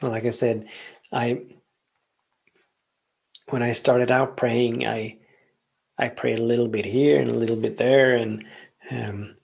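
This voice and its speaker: The lo-fi recording captures a Swedish-speaking man hosting a podcast, his mid-range voice gravelly and husky. He moves slowly and pauses often through a calm, reflective spiritual teaching, frequently repeating phrases in long lists.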